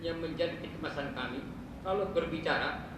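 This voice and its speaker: A man's voice: a little high, brisk. A man in the audience politely asking the preacher a formal question. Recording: distant, very echoey hall mic with clear noise.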